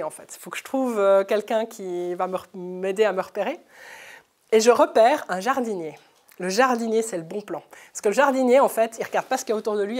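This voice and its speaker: Swiss french woman, 30s, chatty lecture stories, kinda high voice, laughs a lot. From Switzerland. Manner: lively anecdotal, laughing often. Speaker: journalist speaker. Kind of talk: lecture storytelling. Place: lecture hall, live audience.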